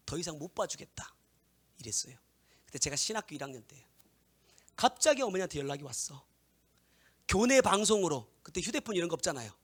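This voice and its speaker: A man in his thirties, a pastor preaching a sermon, swinging from loud exclamations to hushed whispers. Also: fairly high pitch.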